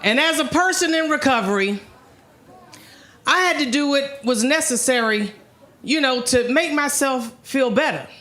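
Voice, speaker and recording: A woman in her sixties from Virginia doing a bold, confessional stand-up set in a comedy club, dropping to a hush for her asides. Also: sits high, animated, normal speed. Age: 60s.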